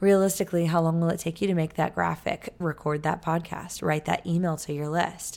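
This woman has an unremarkable speaking voice with fairly low pitch. She talks at a fairly quick pace with fairly even intonation. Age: 30s. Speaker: podcast host and clothing designer. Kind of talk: solo podcast monologue.

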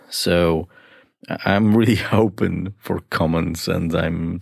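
In a Polish accent, the speaker talks at a very slow pace with fairly even intonation. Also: man. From Poland. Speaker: podcast host and fire science professor. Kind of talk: solo podcast monologue.

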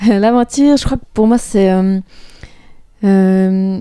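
Her tone is dark and mellow, and this woman keeps her intonation fairly even. The sound is dry and close with no echo. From Switzerland, canton of Jura. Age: 20s. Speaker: professional rock climber. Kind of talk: interview. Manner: hesitant, many fillers.

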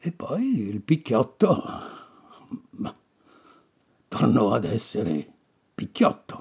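Speaking very slowly in a playful tone, a man leaves long pauses again and again. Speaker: actor reading aloud to listeners. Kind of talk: literary audiobook reading of a Christmas story, with a storyteller's voice. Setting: home recording. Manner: expressive, playful storyteller with sly asides.

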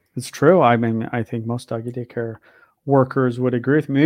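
An ordinary speaking voice from a man with an American accent, medium pitch and a fairly quick pace. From US Pacific Northwest (Oregon). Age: 40s. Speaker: dog trainer and podcast host. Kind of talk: casual chat.

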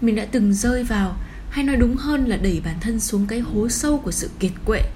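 Music plays in the background and audible room echo surrounds a woman speaking in a calm tone at a moderate pace and medium pitch. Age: 20s. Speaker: podcaster. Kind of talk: personal storytelling monologue. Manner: calm, intimate.

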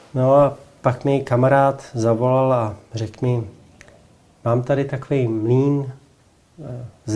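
A man's dark, mellow tone at a fairly slow pace, monotone and flat, broken by long, frequent pauses. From Czech Republic, Průhonice near Prague. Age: 30s. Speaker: traveler and filmmaker. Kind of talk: interview. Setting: cabin by a pond.

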